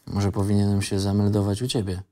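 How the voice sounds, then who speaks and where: A man's voice: fairly low pitch, completely flat delivery, fairly quick, dark tone, lightly acted. An actor playing a laconic, evasive young man in a screenplay reading performed as a radio play. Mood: casual. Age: young adult. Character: Tomek, a brooding, evasive young man back home from abroad.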